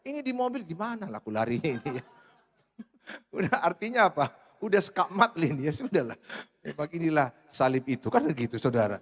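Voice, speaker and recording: A man preaching a sermon as pastor, speaking in a humorous, animated way. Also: fairly high pitch, a little fast. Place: church hall. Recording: reverberant church hall.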